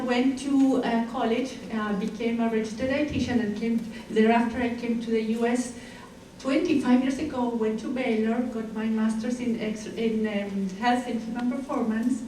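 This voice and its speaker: A woman's voice: a little high, dark tone. A middle-aged woman from Argentina with an Argentine Spanish accent, giving a community health talk as a dietitian, hesitant and restarting her phrases. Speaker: dietitian and guest speaker. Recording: echoey room, distant mic, faint noise.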